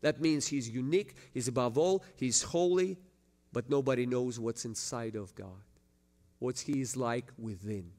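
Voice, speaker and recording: A man delivering a sermon from the pulpit. His voice sits at an ordinary middle pitch, climbing loud and high on key words before dropping low and quiet. He reads scripture aloud and then explains it in everyday words. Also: a little slow. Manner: swells loud and high on emphasis, then drops low and soft. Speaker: pastor. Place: church.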